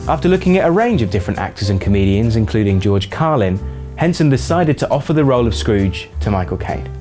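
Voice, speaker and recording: A man's voice: lowish voice, sing-song, fast talker, dark tone, faint music behind. A man reading scripted narration as the narrator of a video essay.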